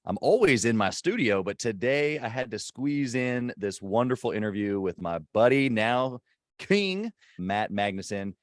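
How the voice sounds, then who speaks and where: A man with a deep voice hosting a casual podcast interview from an airport, emphatic and hyped but holding his volume down. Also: big pitch swings, measured pace, no room sound. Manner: emphatic, hyped-up, kept quiet in a public spot. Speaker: podcast host.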